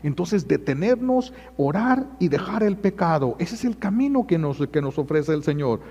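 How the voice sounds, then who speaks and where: A man's voice: fairly high pitch, big pitch swings, moderate pace, dark tone, breathy edge. A man with a Mexican accent preaching a homily, emphatic and telling folksy stories, often repeating key phrases. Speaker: priest. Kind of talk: sermon. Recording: echoey muffled church sound.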